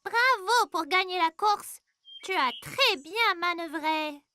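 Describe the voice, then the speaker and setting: A voice actor playing an eager, excitable four-year-old boy in a children's cartoon. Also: very high-pitched, slow, a little hiss or hum, exaggerated voice. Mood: friendly.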